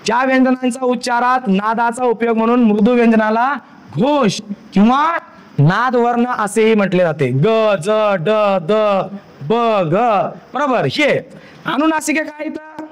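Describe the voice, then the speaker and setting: A male teacher with a Marathi accent leads a grammar lesson in a strikingly high voice. He quizzes the class and answers his own questions, then sounds out letters slowly one after another. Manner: drills by asking questions and answering them himself.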